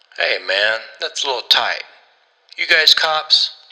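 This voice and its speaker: In a put-on character voice, a man sounds shaky, nasal and raspy, pitched fairly high and speaking at a fairly slow pace. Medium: read story. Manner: pleading, shaky.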